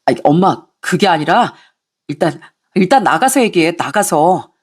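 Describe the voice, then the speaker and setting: A woman's voice: fairly low pitch, lively intonation, normal speed, husky. A woman voicing a flustered, cheating husband who pleads and dodges.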